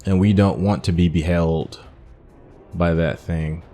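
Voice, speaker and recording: A man's voice: low voice, steady tone, a little slow, mellow, soft background music. A man giving casual let's-play commentary on a video game, musing aloud as he talks through each step. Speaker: gaming streamer playing through a video game.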